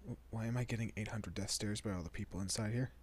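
Voicing a shy young vampire father in a romantic audio roleplay, a man stammers and speaks gently, repeatedly dropping close to a whisper. His voice leans low, husky and quick, and he comes across as uneasy and awkward.

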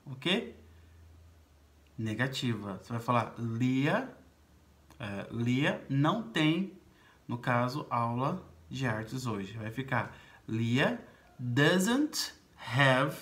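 A man's voice: mid-range voice, a bit bright. Brazilian man teaching English. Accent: Brazilian Portuguese. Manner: explains slowly in Portuguese, reading English words and sentences aloud; frequent check-ins to students. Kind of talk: recorded online lesson.

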